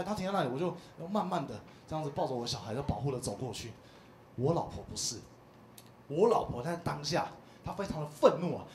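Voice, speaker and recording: A man in his thirties performing a stand-up comedy set, telling stories in an animated way and acting out the people in them. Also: high voice. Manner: animated storytelling, acts out quoted voices. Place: small comedy club stage. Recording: echoey comedy club with faint noise.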